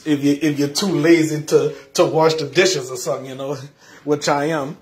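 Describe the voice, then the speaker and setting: A man hosting a casual home livestream, rambling with many repeats and soft trailing endings. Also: fairly high pitch, fairly even intonation, normal speed, slightly rough. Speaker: livestream host. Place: home, indoors.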